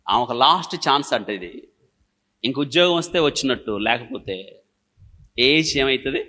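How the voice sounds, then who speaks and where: A man's voice: mid-range voice, bright, forceful tone. A male pastor preaching a sermon in short bursts, firing repeated questions at the congregation and telling everyday stories to make his point.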